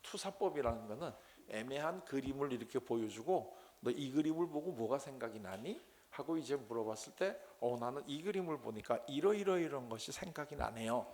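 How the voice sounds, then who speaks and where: A man's voice: mid-range voice, expressive, fairly quick, darkish tone. A man giving a lecture on pastoral counseling. He asks the class questions and acts out scolding voices.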